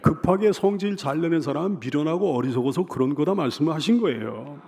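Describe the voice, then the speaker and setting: A man's voice: a little high, lively intonation, quick pace, a little mellow. A male pastor delivering a Sunday sermon, emphatic and repeating his exhortations with rhetorical questions to the congregation.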